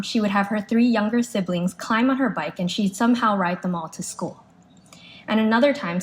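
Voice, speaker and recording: A woman's voice: medium pitch, rough recording. A woman reads out a prepared eulogy, speaking as a daughter. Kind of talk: prepared memorial speech read aloud. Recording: live speech with clear background noise.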